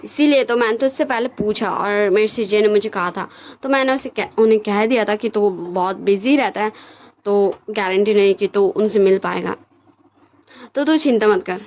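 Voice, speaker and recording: A woman's voice: mid-range voice, normal speed, natural voice. A woman voicing an easygoing young male college friend who reassures his buddy on the phone, in a lo-fi recording. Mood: friendly.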